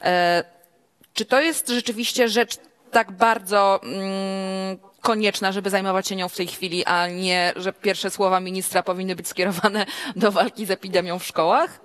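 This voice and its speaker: A woman's voice: medium pitch, fairly even intonation, a bit bright. Casting: woman, 30s, studio news anchor, poised and firm, interjects. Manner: measured, reads quotes, interjects firmly. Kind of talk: live political interview.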